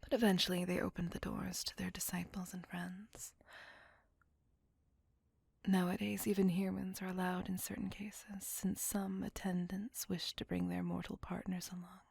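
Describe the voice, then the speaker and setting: A possessive female vampire lover, voiced by a woman, whispers right up against the mic in an ASMR roleplay. Her whisper is husky and gravelly, dry and close, with nothing of the room around it. She speaks in a doting, apologetic way. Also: fairly low pitch, little pitch movement, a little mellow, dry recording, full character voice. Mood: tender. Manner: intimate, apologetic, slow and doting.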